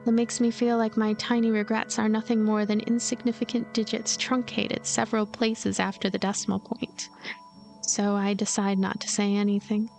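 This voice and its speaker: A woman's voice: mid-range voice, little pitch movement, normal speed, vocal fry, darkish tone, a little hiss or hum. A woman reading story narration aloud from a visual novel as a let's player. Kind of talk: expressive scripted narration. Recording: music behind the voice. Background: game music.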